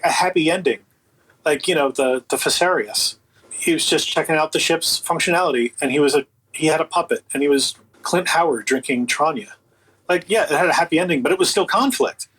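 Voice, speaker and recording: Husky higher-voiced man chatting. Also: fairly bright tone, rough recording. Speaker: interview guest, audio book producer. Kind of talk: casual opinionated chat.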